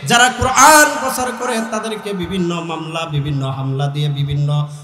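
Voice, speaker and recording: A man with a Bangladeshi accent preaching a fervent Islamic sermon, declaiming in a drawn-out sing-song way and urging his listeners on. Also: a little high, bright, forceful tone, echoey room, soft background music. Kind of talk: fervent Bengali waz sermon with chanted verse and recitation.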